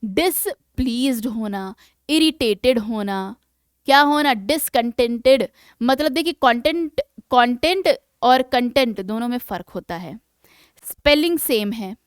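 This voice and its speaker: A woman teaching English vocabulary for exam preparation, explaining in Hindi and reading English example sentences slowly and deliberately, often checking in with her students. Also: fairly high pitch, lively intonation, clean tone, dry recording. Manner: keeps checking in with "है ना". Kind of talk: exam-prep vocabulary lesson.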